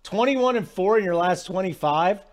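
A man's voice: sits high, lively intonation, moderate pace. A man hosting a sports betting radio show, talking in an emphatic, casual way and often asking "okay?".

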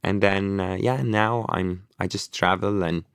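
A man from Lebanon, an author being interviewed, talking in a relaxed, rambling way with many fillers and restarts. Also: deep voice, a little slow, creaky, clear, resonant tone, no room sound, studio quality. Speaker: author guest. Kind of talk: casual interview conversation.

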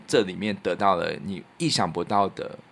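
A man's voice: sits low, moderate pace, creaky, fairly bright tone, a little hiss or hum. A man with a Taiwanese Mandarin accent hosting a podcast in casual, reflective chat, telling anecdotes in an earnest way. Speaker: podcast host; musician.

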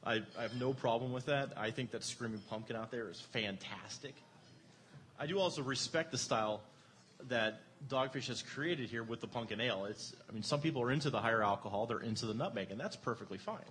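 A man from Erie, Pennsylvania co-hosts a beer show, chatting casually in an enthusiastic, jokey, self-deprecating way. His mid-range voice is a little fast and fairly bright, with a little hiss or hum in the audio.

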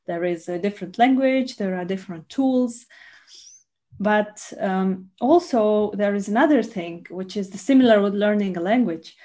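A woman from Russia whose first language is Russian, speaking English as an interview guest in a measured way, pausing often with fillers. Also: mid-range voice, warm tone. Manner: measured, with frequent pauses and fillers. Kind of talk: conversational interview.

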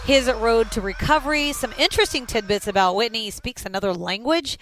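Bright-voiced upbeat sports podcast host. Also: male voice, extremely high pitch, fairly quick, slight background noise, low-quality recording. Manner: upbeat, chatty, reads sponsor spots. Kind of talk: sports podcast interview and ad reads. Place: stadium.

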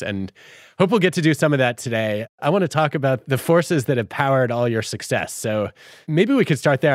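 A man's voice: mid-range voice, no room sound, studio quality. A man hosting an interview podcast who asks questions with curious enthusiasm. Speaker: podcast host, psychologist.

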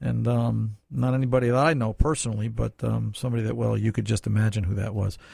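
A man's voice: on the low side, level tone, fast talker, creaky, a little mellow, slightly rough, no room sound, clean studio sound. A man hosting a call-in car radio show, chatting in a folksy, opinionated way with callers. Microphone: studio mic.

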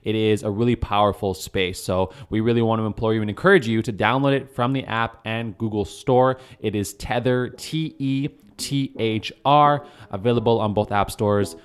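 A man's voice: on the low side, fairly even intonation, normal speed, hardly any pauses, smooth. A man hosting a podcast, talking earnestly and encouragingly about his beliefs. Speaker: podcast host. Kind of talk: casual podcast talk.

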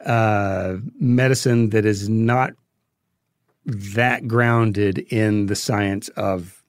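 A man being interviewed as a guest, explaining history in a conversational, halting way as he thinks aloud. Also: lowish voice, steady tone, no echo. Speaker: interview guest, filmmaker and podcast creator.

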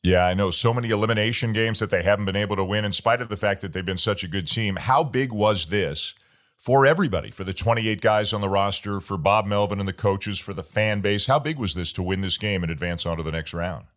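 A man in his fifties hosting a sports interview, asking friendly and measured questions. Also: fairly low pitch, fairly bright tone. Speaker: sports radio host.

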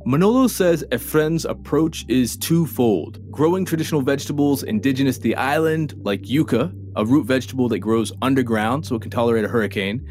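A man's voice: mid-range voice, a little fast, few pauses, a little mellow. A man hosting and narrating a food documentary in a playful, conversational way. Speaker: host and reporter. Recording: light music underneath.

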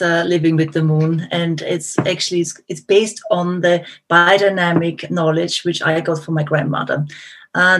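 A middle-aged woman with an Austrian German accent speaking as a studio guest. Her voice is husky and a little breathy, and she talks with hesitations and frequent restarts, the way someone does in a second language. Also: on the low side, fairly bright tone. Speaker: guest, company founder. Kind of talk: casual interview talk.

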